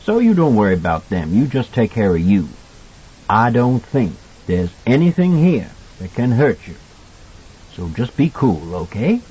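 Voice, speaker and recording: Man voicing a husky, folksy older hotel cook. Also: mid-range voice, very animated, measured pace, mellow, highs cut off. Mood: gentle, reassuring. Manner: folksy, colloquial, earnest. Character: kindly older male hotel cook, folksy, gently cautioning a child. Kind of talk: audiobook character dialogue.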